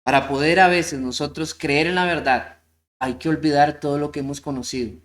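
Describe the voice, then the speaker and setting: A man preaching a sermon, telling a story earnestly and slowing down on key points. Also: fairly high pitch, steady tone, a bit bright. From Costa Rica. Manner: storytelling, earnest, slows down for emphasis.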